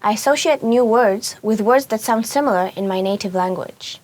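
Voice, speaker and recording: A woman's voice: medium pitch, moderate pace, darkish tone. A young woman with an Israeli accent, Hebrew her first language, teaching a casual language lesson in a chatty way, often saying "like" and "you know".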